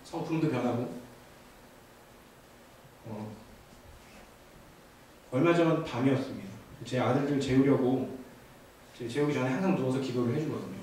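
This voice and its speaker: A man's voice: medium pitch, a little mellow, slight background noise. A man in his thirties preaching a youth sermon, telling a family story with asides to the congregation. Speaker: youth ministry pastor. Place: church sanctuary. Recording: echoey church from far off.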